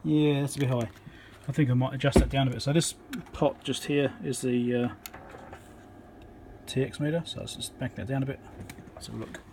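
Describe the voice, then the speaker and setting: An electronics repair presenter talking casually as he works at his home workbench, thinking aloud with frequent ums and pauses. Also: mid-range voice, steady tone, noisy background. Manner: thinks aloud with many ums, counts into the mic.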